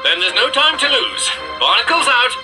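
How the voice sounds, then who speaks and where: A brave, kindly cartoon polar bear captain. He sounds earnest and commanding in a very high, lively voice. Loud music runs underneath. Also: moderate pace, rough recording. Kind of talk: children's cartoon voice acting. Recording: loud music behind, screen-recorded cartoon.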